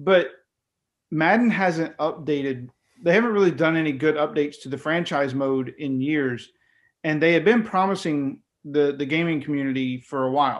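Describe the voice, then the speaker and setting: A man with an unremarkable speaking voice, pitched fairly high, keeps a moderate tempo and lets his pitch vary in an ordinary way. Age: 40s. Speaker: podcast co-host. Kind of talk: casual chat.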